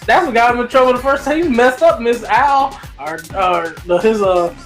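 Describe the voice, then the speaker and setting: A man co-hosts a casual fan review. He rambles excitably in slangy, conversational phrases. Soft music sits behind his voice. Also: extremely high pitch, moderate pace. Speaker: movie review co-host.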